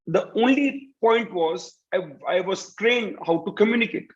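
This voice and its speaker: Over a video call comes a motivational talk to students from an earnest communication trainer, a man in his thirties with an Indian English accent. His high voice moves a little slowly through dull audio, and he often restarts his sentences with a recurring "you know, uh."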